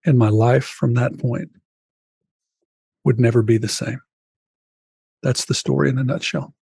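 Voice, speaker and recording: Husky-voiced man telling his story earnestly. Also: mid-range voice, fairly even intonation, measured pace, warm tone, no echo, clean studio sound. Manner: earnest, reflective, addresses host by name. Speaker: podcast guest, author. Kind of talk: personal storytelling in an interview.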